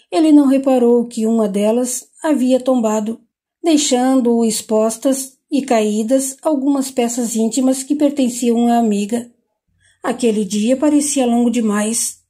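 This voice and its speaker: A woman with a Brazilian Portuguese accent narrating an audiobook in an even, unhurried reading. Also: on the high side. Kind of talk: scripted narration.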